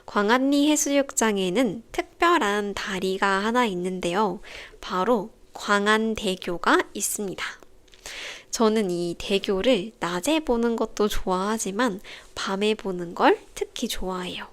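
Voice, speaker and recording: A young woman hosting a podcast for language learners, explaining in a calm, clear, carefully paced scripted way. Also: medium pitch, measured pace. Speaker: Korean teacher podcast host.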